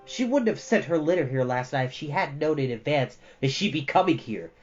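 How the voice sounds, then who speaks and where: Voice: mid-range voice, animated, a little fast, natural voice. Narrator as loyal young warrior, dry, blunt, reasoning, fantasy storybook, muffled audio, faint music. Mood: dry, accusing.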